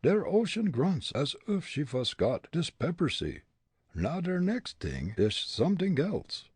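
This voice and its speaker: A man's voice: a little high, very animated, takes it slowly, darkish tone, breathy edge, no echo, clean studio sound, pitched above the performer's own voice, exaggerated voice. A man voicing a bumbling young male detective with a thick mock German-Dutch dialect in a storybook reading. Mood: comic grumbling.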